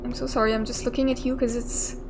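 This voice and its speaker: A fast-talking young woman with a fairly high pitch and little pitch movement chats her way through a video game, musing aloud and swearing now and then. Game music plays clearly behind her, along with background noise.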